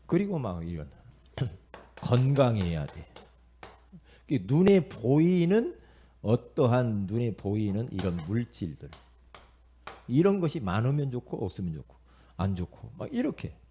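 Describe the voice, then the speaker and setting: A middle-aged man from Korea preaching a sermon as pastor, telling stories in an animated way, acting out voices and calling out to the congregation. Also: medium pitch, a little slow, long pauses, slight background noise. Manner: animated storytelling, acting out inner voices and quotes; repetitive, calls out to the congregation.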